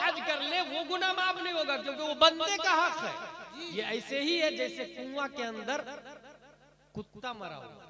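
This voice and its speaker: A man speaks in a raised, projected voice with lively intonation. Noticeable background noise is present. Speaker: Islamic scholar (mufti). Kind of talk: religious sermon at a public gathering. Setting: outdoor conference with PA system.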